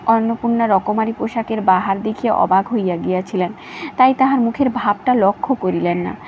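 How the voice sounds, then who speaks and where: A woman's voice: mid-range voice, fairly quick. Woman reading a classic novel aloud. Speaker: storyteller. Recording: slightly dull with faint hiss.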